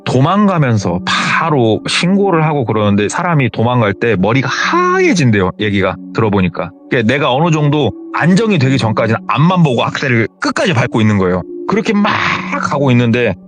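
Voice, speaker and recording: A man's voice: mid-range voice, wildly swooping pitch, a little fast, few pauses, faint music behind. A man animatedly retelling a scary true story in a dramatic way.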